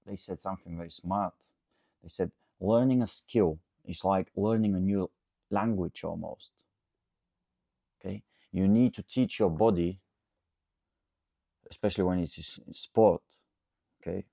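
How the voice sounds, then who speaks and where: Low, creaky Bulgarian-accented man. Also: fairly even intonation, a little slow, pauses often, warm tone, dry recording, studio quality. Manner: rambling, checks understanding with frequent "okay?". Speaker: coach and host answering audience questions. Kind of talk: casual unscripted talk to camera.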